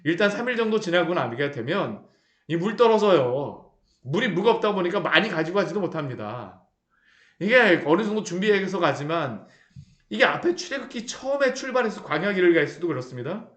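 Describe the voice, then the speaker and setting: A man preaching a sermon as pastor, animated and asking the listeners rhetorical question after rhetorical question. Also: high-pitched, fairly quick, reverberant. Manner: animated, acts out the people he describes. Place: church sanctuary.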